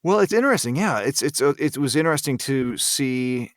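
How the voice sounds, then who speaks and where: A man speaking as an interview guest, thinking aloud in a halting, reflective way with repeated words. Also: medium pitch, lively intonation, no room sound, clean studio sound. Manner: hesitant, thoughtful, halting delivery with repeated words.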